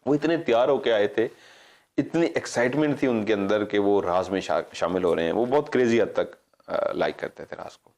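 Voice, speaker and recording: A middle-aged paranormal show host from Pakistan, with a lowish voice at normal speed, tells a story in a casual, animated manner. He acts out quoted dialogue, digresses, and breaks off to correct himself.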